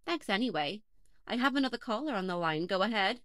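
A woman's voice: mid-range voice, expressive, fast talker, fairly bright tone, no echo, clean studio sound. A woman playing a chatty, wry podcast host who dismisses callers' suggestions, in an audio play.

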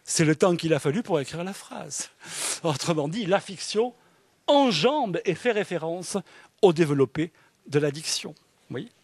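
A man gives an academic lecture on literature, with a slightly high voice and an eager, marvelling delivery. He reads short passages aloud, filling his talk with "alors" and "hein". The recording is dry, with little room sound. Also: expressive, normal speed, darkish tone, husky, dry recording. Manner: enthusiastic, fond of "alors" and "hein". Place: public library event.

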